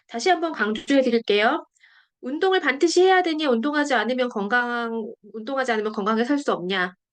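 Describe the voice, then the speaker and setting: With lively intonation, a high-voiced woman talks at a fairly quick pace. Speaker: book study lecturer. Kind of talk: lecture. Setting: video call. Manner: fast.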